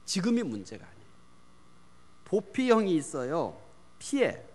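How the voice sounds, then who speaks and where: Male pastor, sermon delivery, somewhat high voice, answers his own questions, drops to a whisper for emphasis, echoing church hall. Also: wildly swooping pitch, unhurried. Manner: asks the congregation questions and answers them himself; swings from loud emphasis to hushed near-whispers. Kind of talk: sermon on parenting. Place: church sanctuary. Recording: long church hall reverb.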